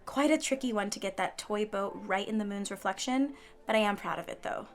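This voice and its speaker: A woman's voice: medium pitch, brisk, natural voice. A woman playing a gracious water nymph photographer in a fiction podcast, with a polite, effusive manner. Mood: pleased, friendly.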